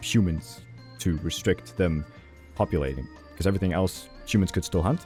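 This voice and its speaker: Music plays in the background behind a man with a German accent and a very deep, low pitch. He speaks at a moderate pace with lively intonation. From Germany. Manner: hard vowels, no H sounds.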